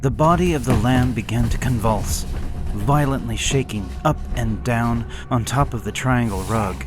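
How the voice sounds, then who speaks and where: A man slowly reading a gothic horror story aloud in a measured, somber way. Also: medium pitch, music in the background. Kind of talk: scripted horror narration. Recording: hissy background noise.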